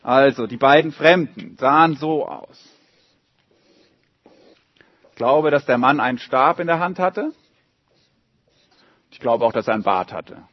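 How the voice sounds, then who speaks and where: Lively man reading a story to children. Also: mid-range voice, unhurried, long pauses, no room sound, muffled recording. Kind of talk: reading a story aloud to children, drawing along.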